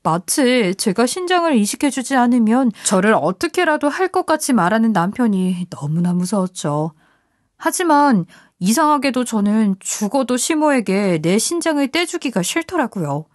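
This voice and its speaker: A woman's voice: a little high, big pitch swings, normal speed, no room sound, studio quality. A woman narrating a first-person story in a confiding, scripted manner.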